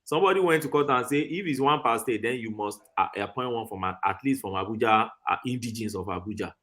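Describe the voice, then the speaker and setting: A man's voice: medium pitch, fast, pushed and bright. A man with a Nigerian accent debating in a group, explaining point by point and checking that listeners follow. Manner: explanatory, often checks with "right?" and "you understand?".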